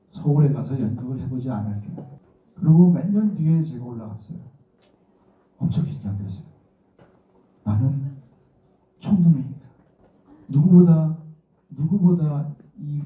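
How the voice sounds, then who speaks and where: Captured from a distance in an echoey lecture hall, the muffled recording features a middle-aged guest speaker and actor with a Daegu accent, from rural country near Daegu, South Korea. His voice is on the high side as he lectures students through animated stories, acting out quotes.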